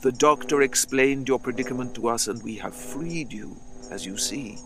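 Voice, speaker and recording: A man voicing a calm, formal alien creature who speaks through a small machine, slow and measured. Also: mid-range voice, background noise, pitched below the performer's own voice, close to an everyday voice.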